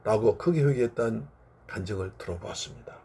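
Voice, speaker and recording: A man's voice: lowish voice, fairly quick, creaky, dark tone, breathy edge. A male pastor preaching a Sunday sermon with fervent, repetitive emphasis.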